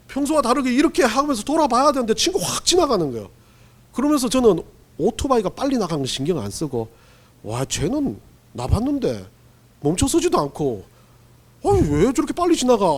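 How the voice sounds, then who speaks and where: A man preaching a sermon as pastor, telling stories in an animated, humorous way and acting out quotes. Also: high voice. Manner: animated storytelling with acted-out quotes; humorous, laughs while preaching.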